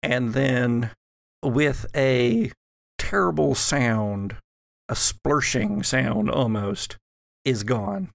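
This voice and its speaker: A man narrating a tabletop horror game as game master, deliberately and with dramatic pauses. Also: medium pitch, animated, creaky, no room sound, clean studio sound.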